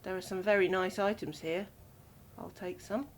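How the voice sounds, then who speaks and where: A dry, grudging female fugitive acted by a woman in an amateur audio play. Her voice sits at an ordinary middle pitch and sounds sceptical, over faint rumbling noise. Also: steady tone, moderate pace, natural voice. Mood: pleased. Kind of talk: amateur audio drama acting.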